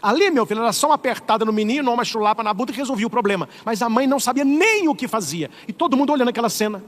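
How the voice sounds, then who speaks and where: A middle-aged man with a Brazilian Portuguese accent, a priest preaching an animated, humorous sermon. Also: extremely high pitch, very fast, in a large hall. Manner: animated, humorous, acts out voices. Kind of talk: lively sermon.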